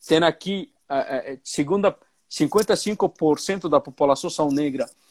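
A man with an Arabic accent and a fairly high pitch speaks on a very clean recording with a silent background, the sound dry and close with no echo. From Syria, Aleppo. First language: Arabic (speaking Portuguese). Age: 30s. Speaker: refugee activist and speaker. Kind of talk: interview testimony. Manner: halting, many fillers.

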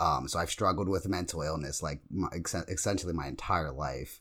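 A man with an American accent speaks in a very deep, low voice with vocal fry and ordinary pitch variation. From Brooklyn, New York. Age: 20s. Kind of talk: interview conversation.

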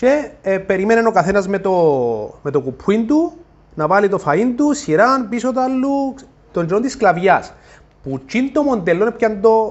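In a Cypriot accent, a man speaks at a fairly slow pace with a high pitch and lively intonation. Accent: Cypriot Greek. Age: 30s. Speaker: podcast host. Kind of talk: casual interview. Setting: livestream from home.

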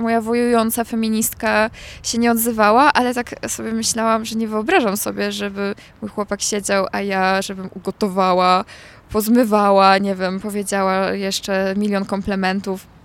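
A woman with an unremarkable speaking voice, fairly high pitch, ordinary pitch variation and a moderate pace. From Poland, Szczecin. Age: 20s. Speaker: fashion podcaster and student. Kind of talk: casual chat.

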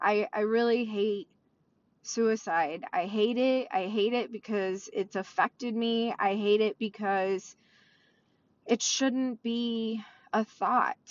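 Speaking at a very slow pace with a slight Mexican accent, a woman uses a fairly high pitch with ordinary variation. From Mexico, raised in Florida from age 9. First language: Spanish. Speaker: podcast host, bereaved parent and suicide-prevention advocate. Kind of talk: solo podcast monologue. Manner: casual, with frequent fillers (um, like, you know).

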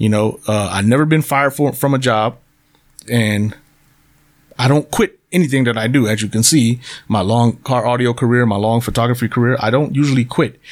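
Speaking at a fairly quick pace, a man with an American accent keeps a medium pitch, very even loudness, and fairly even intonation. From California. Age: 40s. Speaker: podcast host and freelance photographer. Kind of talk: casual solo podcast monologue. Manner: casual, conversational.

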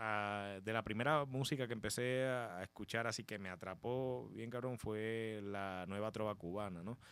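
Speaking at a fairly slow pace with hardly any pauses, a man has an unremarkable speaking voice, a fairly low pitch and fairly even intonation. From Dominican Republic and Puerto Rico. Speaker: rapper, band MC. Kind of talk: casual chat. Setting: studio, video recorded.

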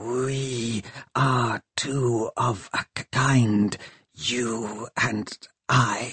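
This is a put-on character voice. It sounds robotic and raspy. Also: man. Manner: ominous.

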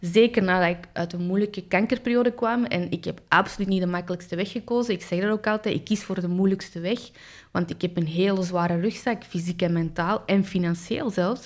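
A woman talks at a fairly quick pace in a normal speaking voice, her pitch medium and her intonation fairly even. The recording is very clean, with a silent background. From Flanders, Kempen region (Belgium). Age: 30s. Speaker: social entrepreneur, cancer survivor. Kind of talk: interview.

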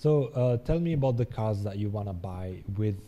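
With an Algerian accent, a man talks at a moderate pace in a fairly low, somewhat breathy voice. His tone is dark and mellow. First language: Algerian Arabic. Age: 20s. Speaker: podcast host. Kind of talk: casual chat.

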